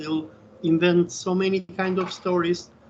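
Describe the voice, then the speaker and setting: A man speaks at a high pitch and a fairly slow pace. Noticeable background noise runs underneath. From Albania. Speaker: journalist and show host. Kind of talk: video interview.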